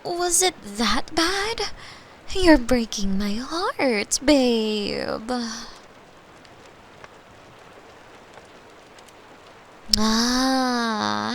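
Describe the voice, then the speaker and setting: Woman acting a gentle, very unhurried girlfriend. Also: fairly high pitch, slight background noise, full character voice. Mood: mock hurt, playful. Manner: gentle, soothing, teasing, unhurried, slipping into whispers. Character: caring, playful young girlfriend telling a bedtime story. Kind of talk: intimate ASMR roleplay, bedtime storytelling. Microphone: close microphone, made for headphones.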